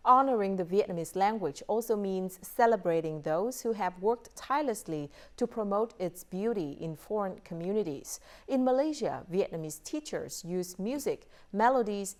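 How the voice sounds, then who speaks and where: A woman news anchor reading scripted news in a measured, formal way. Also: mid-range voice.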